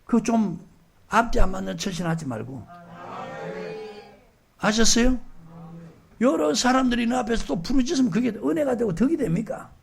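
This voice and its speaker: A middle-aged male pastor with a high, heavily gravelly voice delivers a sermon. He builds to loud, forceful emphasis and keeps asking the congregation questions. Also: animated, moderate pace, pauses often. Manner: preaching with rising, shouted emphasis and questions to the congregation.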